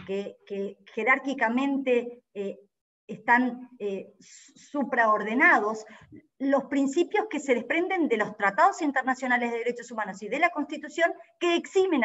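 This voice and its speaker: A woman giving an academic law lecture in a careful, explanatory way, often pausing to rephrase. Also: a little high, a bit bright. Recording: dull lo-fi audio.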